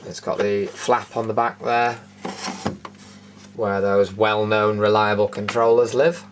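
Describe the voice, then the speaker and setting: This British video host has a lowish, unhurried voice with little pitch movement as he gives a casual, unscripted show-and-tell tour. He stays matter-of-fact and dryly opinionated, in an indoor room studio with noticeable background noise.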